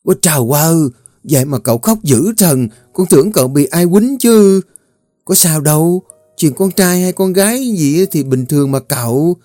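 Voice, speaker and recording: A man's voice: lively intonation, moderate pace, warm tone, no echo, studio quality, soft background music, close to an everyday voice. A man voicing a bubbly teasing young maid. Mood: amused. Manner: high, bubbly, scolding teasing.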